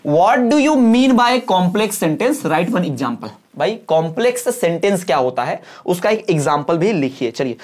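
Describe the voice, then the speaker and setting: Male tutor, exam-prep lecture; patient, repeats checks for understanding, reads English lines slowly. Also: high voice. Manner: explains patiently, keeps checking in with students; mixes Hindi with slowly read English sentences. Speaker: teacher.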